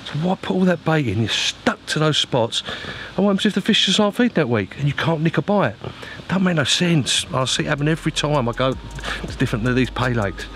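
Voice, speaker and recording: A man's voice: a little high, animated, a little fast, fairly bright tone, slight background noise. A man chatting casually to viewers as an angler presenting a vlog, informal and matey, giving practical advice.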